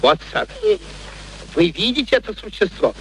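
An actor playing an arrogant, excitable gentleman professor of phonetics in a radio play, declaiming pompously with precise diction. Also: high-pitched, normal speed. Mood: haughty. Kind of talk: theatrical radio play acting. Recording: noisy vintage radio play recording.

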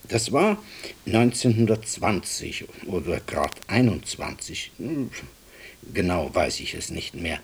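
Protschka, a husky, wry Jewish handyman. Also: mid-range voice, a little mellow, full character voice. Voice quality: husky, breathy. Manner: colloquial, hesitant, emphatic storytelling. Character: wry, humble Jewish handyman from the East, earnest storyteller. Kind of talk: radio play dialogue.

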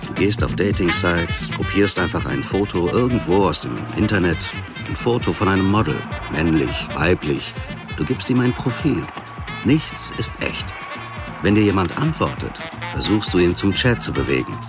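Very deep-voiced cynical scammer. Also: male voice, animated, moderate pace. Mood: matter-of-fact. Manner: matter-of-fact, self-justifying. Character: cynical, defiant Nigerian internet love scammer. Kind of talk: radio drama monologue. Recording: music under the voice. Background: music.

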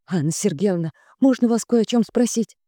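A woman voicing an anxious, devoted middle-aged housekeeper with a high, fretting, lamenting way of talking. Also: normal speed, dark tone, dry recording, studio quality, natural voice. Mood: confiding.

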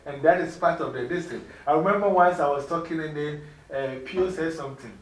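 A middle-aged woman with a Ghanaian accent, mentoring young people in an informal classroom talk, lively and preachy, laughing easily. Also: low-pitched, brisk. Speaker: mentor speaking to youth. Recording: echoey room from far off.

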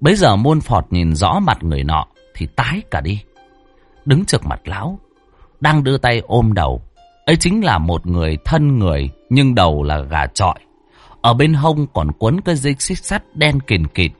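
A man telling a ghost story with drama and colour, his husky voice moving in lively rises and falls. Faint music plays under the telling. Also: fairly low pitch, moderate pace, no echo. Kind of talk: scripted ghost story narration.

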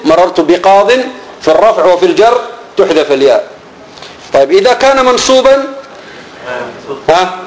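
A male teacher explaining a grammar lesson, asking questions and answering them himself, repeating key words and dropping low and soft on each answer. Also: a little hiss or hum, rough recording.

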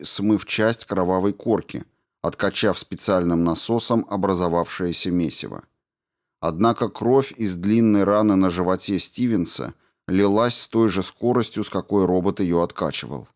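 A man reading a story aloud in a steady, measured narration. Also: deep voice. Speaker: audiobook narrator. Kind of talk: scripted narration.

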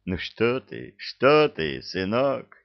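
A man voicing a calm, wry army captain in an audiobook reading. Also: mid-range voice, takes it slowly, creaky, muffled recording, full character voice. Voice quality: easygoing, wry. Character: calm gruff army captain, dry humor.

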